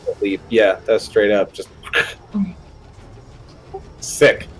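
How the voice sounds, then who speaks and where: Lowish-voiced playful male gamer. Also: level tone, slow, low-quality recording. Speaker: tabletop game player. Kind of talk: casual game chat.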